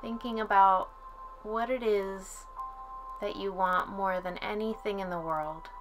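A woman leading a guided relaxation as a yoga instructor, speaking in a calm, soothing way with long pauses. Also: mid-range voice. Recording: soft music under the voice. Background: music.

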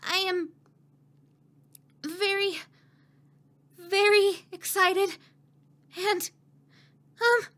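A woman acting out a timid young prince, anxious about becoming heir, who stammers and restarts constantly. The voice sits very high with a bright, sharp edge. Everything comes out slowly, in halting fragments. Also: fairly even intonation, exaggerated voice. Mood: nervous. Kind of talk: voice acting audition.

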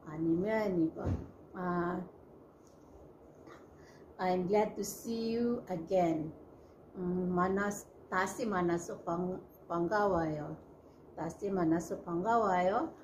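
A woman's voice: on the low side, darkish tone, a little hiss or hum. Woman teaching English phrases. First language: Korean. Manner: repeats phrases slowly, switching between English and Korean. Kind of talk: bilingual language lesson. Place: small indoor classroom with whiteboard.

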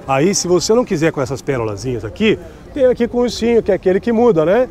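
A middle-aged Brazilian man vlogs a tour of a street market at night, chattily promoting clothes and prices. His voice is high and mellow, with lively intonation and a fast pace. In an upbeat sales walkthrough, he keeps asking vendors for prices.

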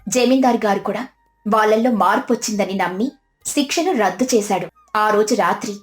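A woman's voice: medium pitch, moderate pace. A woman reading a scripted moral story as the narrator. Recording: background music under the voice.

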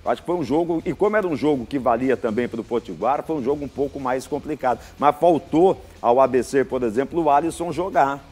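Emphatic middle-aged Brazilian football pundit. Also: male voice, medium pitch, fairly quick, hardly any pauses, a little mellow. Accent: Brazilian Portuguese. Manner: emphatic, repeats points, folksy sayings. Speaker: football commentator. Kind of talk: live TV sports analysis. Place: TV studio.

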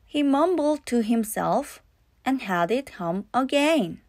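A woman's voice: a little high, animated, slow, darkish tone. A woman reading scripted narration for a children's audiobook. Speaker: storybook narrator.

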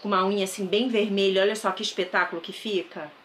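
In a casual haul vlog, a fast-talking woman in her thirties with a Brazilian Portuguese accent chats enthusiastically to viewers. Her mid-range voice is a bit bright, with fairly even intonation. The thrift vlogger is recorded on a close camera mic in a bedroom with a wardrobe, indoors, with a little hiss or hum.

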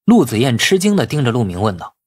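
Husky, expressive male audiobook narrator. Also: medium pitch, fast. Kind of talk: dramatic scripted novel narration.

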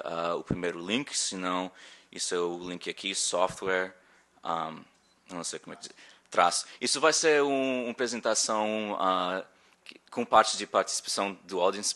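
A man in his thirties with an American accent gives a talk from a conference table. His voice sits low but carries a bright, forward edge. He stops often to search for words and makes light of his own slips. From born in Rio, raised in Chicago. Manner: halting, searching for words, self-deprecating. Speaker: conference speaker. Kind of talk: conference presentation. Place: conference hall. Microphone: table microphone.

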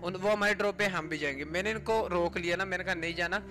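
A gaming YouTuber with a high-pitched, sharp voice talks fast in a steady tone, giving casual, explanatory commentary. He voices over mobile game footage and retells what players said to each other. Music plays in the background.

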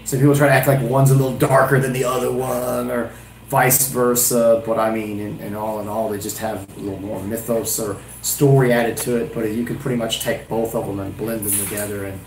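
In a small wood-paneled room with a roomy sound, this man, who reviews beer and hosts a channel, chats casually on a live stream, rambling and restarting as he thinks aloud. He talks fairly quickly in a lowish voice with little pitch movement, over a little hiss or hum.

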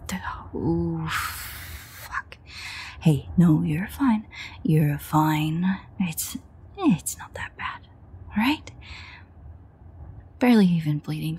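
A sardonic vampire woman, acted by a woman in an intimate audio drama. She speaks slowly in a hushed, breathy low voice, swearing and coaxing by turns, with a protective edge. Faint rainy ambience sits behind her. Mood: anxious, soothing. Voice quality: hushed, breathy, often near a whisper. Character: foul-mouthed, teasing female vampire with a protective streak. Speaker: audio roleplay voice actor. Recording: faint ambient noise, rain.

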